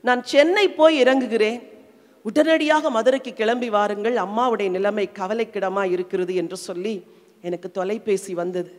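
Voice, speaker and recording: A woman's voice: mid-range voice, moderate pace. A middle-aged woman from India with a Tamil accent, preaching a sermon with strong emotional swells. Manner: emotional, rising and falling in intensity. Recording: long reverberant hall.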